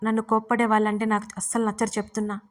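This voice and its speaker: A woman's voice: medium pitch, monotone, rapid-fire, close to an everyday voice. A woman voicing a moody, teasing young woman who speaks curtly on a late-night call. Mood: petulant. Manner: curt and petulant.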